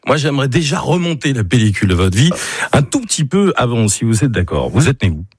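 A man's voice: medium pitch, sing-song, fast, husky, dry recording, studio quality. A man hosting a French radio evening show and interviewing a guest, chatty and fluent, with the odd filler. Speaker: radio host.

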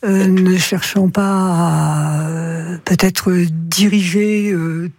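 A woman psychologist talks slowly on a radio program. Her voice is a little husky and the sound is dry and close. She hesitates, filling gaps and restarting her phrases. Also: lowish voice, fairly even intonation, a little mellow, no room sound. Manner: hesitant, many fillers and restarts. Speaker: psychologist at caregiver respite group. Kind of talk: radio interview guest.

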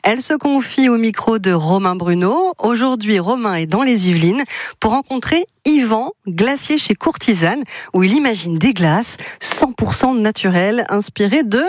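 A woman presenting a local radio morning show with smooth, polished scripted announcing. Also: medium pitch, lively intonation, normal speed, no room sound, clean studio sound.

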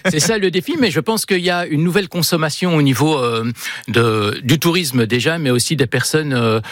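A man's voice: on the high side, moderate pace, fairly bright tone, no room sound, clean studio sound. A middle-aged man with a Belgian accent talking casually as an interview guest, a little hesitant and full of filler tags. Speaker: interview guest, self-taught cook and author.

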